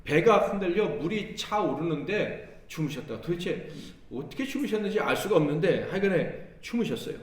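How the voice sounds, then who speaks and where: A Korean pastor preaches a Sunday sermon with a lively voice that rises and falls. He acts out the lines of the story and keeps putting questions to the listeners. He sits somewhat high in pitch and sounds distant in an echoey church hall. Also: moderate pace, hardly any pauses. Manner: animated preaching that acts out Jesus' and the disciples' words; asks the congregation questions. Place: church sanctuary.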